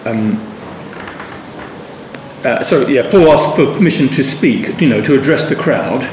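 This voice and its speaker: A man's voice: mid-range voice, animated, a little slow, darkish tone. A man giving an unscripted Bible study talk, rambling thoughtfully with many restarts and asides. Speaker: Bible teacher. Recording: echoey room with faint ambient noise.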